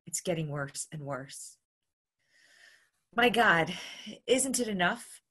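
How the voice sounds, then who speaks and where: A woman's voice: on the low side, animated, slow, sharp tone. A woman in her thirties reading a diary aloud into a webcam at home. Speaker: diary reader. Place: dim room at home. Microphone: computer webcam.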